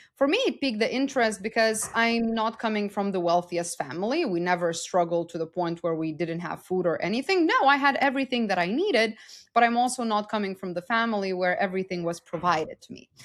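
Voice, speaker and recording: Over noticeable background noise, a woman with a Lithuanian accent races along at a very fast pace with hardly any pauses, her medium pitch moving in lively intonation. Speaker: psychology-trained wellness and money expert. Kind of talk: podcast interview.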